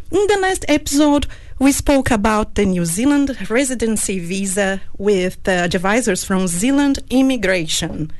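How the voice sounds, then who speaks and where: Fairly high-pitched female speech with a Portuguese accent, lively intonation, a moderate pace, hardly any pauses and very even loudness. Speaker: radio host. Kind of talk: casual chat. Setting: studio. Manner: laughs often.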